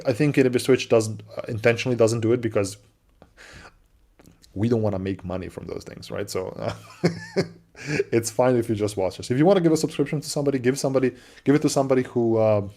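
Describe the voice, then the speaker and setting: A man with an accent co-hosting a livestream, answering viewer questions in a relaxed, chatty way with lots of fillers and restarts. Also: medium pitch. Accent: non-native English. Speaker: livestream co-host. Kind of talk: casual livestream chat.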